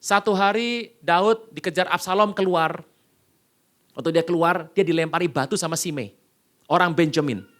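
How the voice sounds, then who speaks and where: A male pastor preaching a sermon in a casual, colloquial way, telling stories with sudden jumps between loud bursts and hushed asides. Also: sits high, moderate pace. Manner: animated storytelling with sudden loud and hushed swings.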